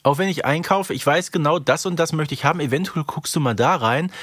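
A man's voice: a little high, a little fast, fairly bright tone, no echo, studio quality. A man co-hosting a podcast in casual chat. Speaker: podcast co-host.

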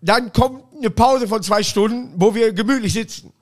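A man hosting a casual podcast chat, telling anecdotes and throwing in quick jokes and punchlines. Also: high voice. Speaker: podcast host.

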